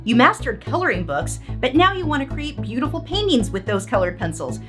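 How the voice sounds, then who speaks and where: A woman playing an over-excited, cheesy infomercial announcer, with exaggerated salesy delivery and drawn-out emphasis. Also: high voice, music in the background. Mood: dramatic, concerned. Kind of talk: parody infomercial pitch.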